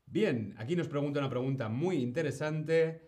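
A man teaching Spanish on a live stream, speaking slowly and deliberately, repeating words and often checking in with the viewers. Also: fairly high pitch, a little mellow. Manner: answers viewer questions from chat. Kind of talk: live-streamed language lesson.

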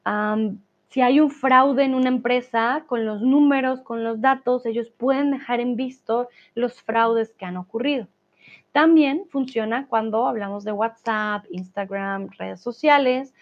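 A woman teaching a language lesson, explaining patiently, stretching out words and checking in with her students. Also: fairly high pitch. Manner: patient explaining, drawn-out words, frequent "¿vale?" check-ins. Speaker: Spanish teacher. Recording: dull lo-fi recording.

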